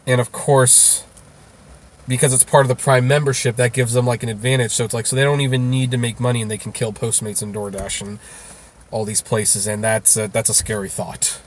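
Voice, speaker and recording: A man being interviewed, talking casually and explaining things in a halting way with repeated words. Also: medium pitch, little pitch movement, a little hiss or hum. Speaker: interview guest, rideshare video creator.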